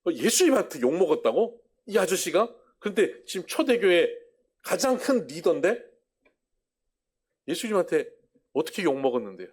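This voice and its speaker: A man's voice: fairly high pitch, a little fast, gravelly, mellow, pitched above the performer's own voice. A man voicing a downcast, timid young male disciple who asks disbelieving questions. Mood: astonished.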